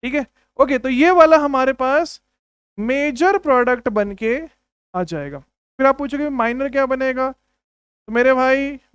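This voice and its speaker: A young man teaches chemistry in an exam-prep lecture, pressing his points and repeating key phrases. His voice is smooth and clear, recorded close in a dry room. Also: very high-pitched, animated, takes it slowly, long pauses, a bit bright, no room sound. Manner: emphatic, repeats key phrases, calls students "my brother".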